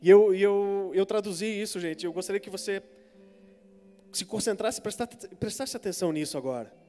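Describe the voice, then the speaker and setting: A young man preaches to a congregation in a high, lively voice. He tells his stories animatedly, acting out voices and jumping from loud urging to quiet asides. The sound carries a long hall reverb with faint music underneath. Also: normal speed. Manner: animated storytelling, acts out voices, swings from shouting to hushed. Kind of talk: sermon to a youth congregation. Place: church hall.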